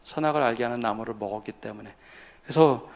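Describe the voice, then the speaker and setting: A man's voice: medium pitch, quick pace, gravelly. A male pastor preaching at a midweek church prayer service, often putting questions to the congregation and then answering them himself. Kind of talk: sermon.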